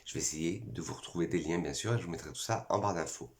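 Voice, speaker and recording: Deep-voiced man with a cold. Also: fast. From France. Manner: enthusiastic, lists notes one by one. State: has a cold, voice cracking. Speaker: perfume YouTuber. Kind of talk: casual vlog presentation.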